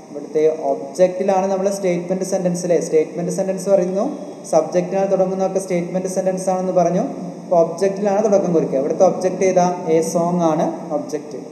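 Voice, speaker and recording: A man's voice: sits high, mellow. A male teacher with a Malayali accent giving an online grammar lesson, repeating each point and answering his own questions. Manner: repetitive, asks questions and answers them himself. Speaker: exam coaching teacher. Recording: echoey room with faint noise.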